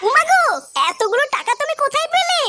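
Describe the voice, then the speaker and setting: A woman's voice: very high-pitched, lively intonation, quick pace, very noisy. Woman acting a piercing, nagging cartoon housewife. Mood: astonished. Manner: scolding, exclamatory. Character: nagging, protective village housewife. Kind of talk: comic cartoon dub.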